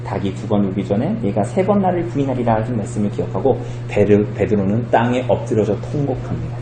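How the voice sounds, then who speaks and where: A male pastor preaching a sermon, telling the story in an animated way and acting out the quoted lines. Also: medium pitch, roomy sound, background noise. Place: church sanctuary.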